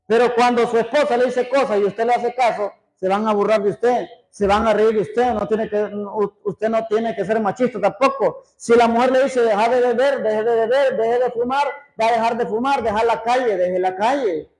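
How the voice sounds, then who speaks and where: High-voiced preacher. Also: male voice, steady tone, a little mellow, rough recording. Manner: conversational preaching, reads scripture slowly, asides to congregation. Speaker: pastor. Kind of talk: sermon.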